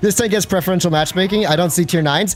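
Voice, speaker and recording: There's noticeable noise in the background. Over it, a man talks with a high pitch. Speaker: gaming streamer. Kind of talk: live gameplay commentary. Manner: fast; energetic.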